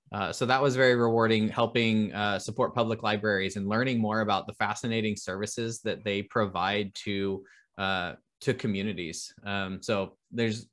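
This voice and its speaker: A man's voice: mid-range voice, a bit bright. A man who works as an agile product coach, talking as a guest on a video call in an easygoing way, with lots of ums and a dry bit of humor. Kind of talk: casual video-call conversation. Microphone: webcam on a video call.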